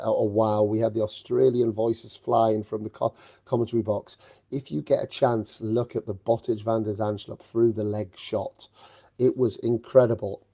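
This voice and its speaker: A man's voice: fairly low pitch, dark tone. A man with a mild northeastern English accent, a tennis podcast host telling stories with enthusiasm and plenty of fillers. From northeast England. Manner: enthusiastic storytelling with frequent fillers. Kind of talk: live podcast chat.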